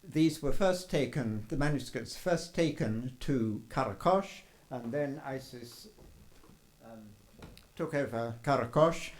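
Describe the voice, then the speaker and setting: An older man giving an academic conference talk, hesitant, with many ums and uhs. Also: mid-range voice. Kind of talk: academic lecture.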